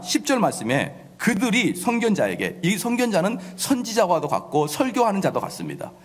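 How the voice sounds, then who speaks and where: A man's voice: fairly high pitch, slightly rough, long reverb tail. A man preaching a sermon as a pastor, emphatic, often voicing the complaints of his listeners. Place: church sanctuary.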